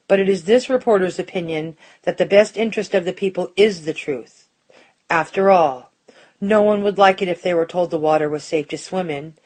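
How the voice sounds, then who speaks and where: A woman's voice: lowish voice, darkish tone, natural voice. A woman playing a principled, defiant news reporter delivering an earnest, formal on-air editorial in an audio drama. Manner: earnest, measured, rhetorical.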